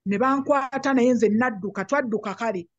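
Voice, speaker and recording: A woman's voice: fairly high pitch, fairly quick, dry recording. A woman from Uganda with a Ugandan accent, giving an impromptu political address to an online group meeting. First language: Luganda. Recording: dull, dry online call.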